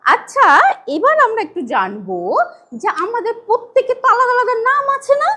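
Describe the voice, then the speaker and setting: উঁচু সুরে ওঠানামা করা গলার এক শিক্ষিকা. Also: female voice, very high voice, wildly swooping pitch, fairly quick, pushed and bright. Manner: singsong, coaxing, spells words letter by letter. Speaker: teacher giving a demo class. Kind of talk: demo lesson to young children.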